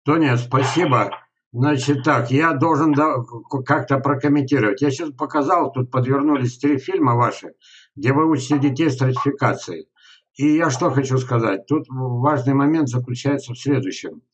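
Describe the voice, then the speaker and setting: Webinar host, male, 60s, husky voice, rambling casual delivery, slightly dull lo-fi computer audio. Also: medium pitch, normal speed. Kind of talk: casual commentary during a phone call. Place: indoors at a home computer.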